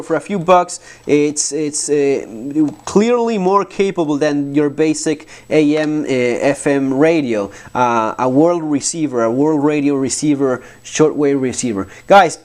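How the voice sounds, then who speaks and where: Higher-pitched man giving a casual, halting demo. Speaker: survivalism video host. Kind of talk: casual product demonstration talk.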